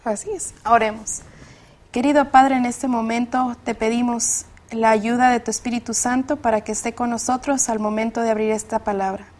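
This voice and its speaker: A woman's voice: a little high, steady tone, normal speed, darkish tone. A young woman from Mexico, a university student, introducing herself and leading a short prayer. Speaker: student, panel guest.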